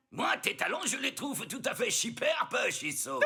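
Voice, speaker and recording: A man performs in a put-on character voice at a moderate pace. Faint music plays in the background. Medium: fan dub.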